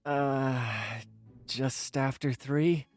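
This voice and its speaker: A man playing an evasive, soft-spoken boyfriend with halting speech in a naturalistic audio drama. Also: medium pitch, level tone, clear, resonant tone, no echo, soft background music. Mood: hushed, evasive.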